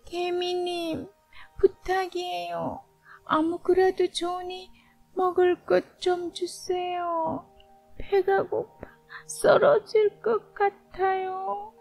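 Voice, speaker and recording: A woman voicing a starving, weak grasshopper in a children's storybook, begging meekly and slowly in a thin voice. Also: extremely high pitch, little pitch movement, gravelly, a little mellow, soft background music, voice pushed up, exaggerated voice, low-quality recording. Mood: weak pleading. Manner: pleading, slow, feeble.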